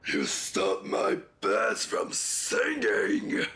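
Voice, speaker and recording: A man playing a hulking, menacing giant who keeps caged singing girls, in an audio drama, speaking deliberately. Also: on the low side, huge pitch swings, sharp tone, full character voice. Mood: menacing, possessive. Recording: noisy, with clear background hiss.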